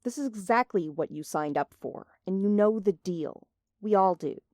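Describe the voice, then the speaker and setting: A woman's voice: mid-range voice, animated, normal speed, a little mellow, no room sound, clean studio sound, natural voice. Curt, menacing woman, played by an actress. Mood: irritated, threatening. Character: stern, impatient, menacing female go-between. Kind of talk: audio drama dialogue.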